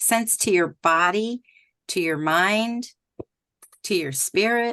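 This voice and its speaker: A woman has a plain, everyday voice, fairly high in pitch, with lively intonation. The sound is dry and close with no echo, and the background is quiet. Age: 60s. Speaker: recovered patient and health coach. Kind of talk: testimony.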